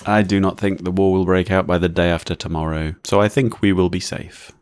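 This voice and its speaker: A man voicing a calm, aloof older gentleman traveller who speaks formally and sounds indifferent. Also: low voice, fairly quick, clear, resonant tone, close to an everyday voice.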